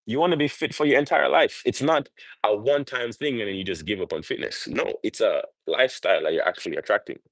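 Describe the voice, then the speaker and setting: A man's voice: mid-range voice, quick pace, no room sound. A man hosting a motivational live stream, speaking off the cuff and emphatically, often checking for agreement with rhetorical questions. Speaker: motivational livestream host.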